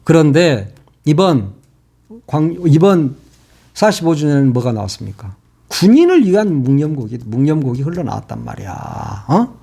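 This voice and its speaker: A man's voice: fairly high pitch, big pitch swings, moderate pace, gravelly, mellow, breathy edge. An older man, a former broadcast reporter, giving angry political commentary on his channel, cursing and firing rhetorical questions.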